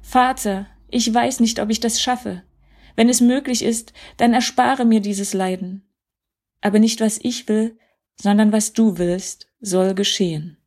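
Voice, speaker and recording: A woman voicing Jesus as a gentle, sorrowful grown man in a storybook reading, speaking softly and earnestly. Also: on the high side, steady tone, unhurried. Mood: pleading.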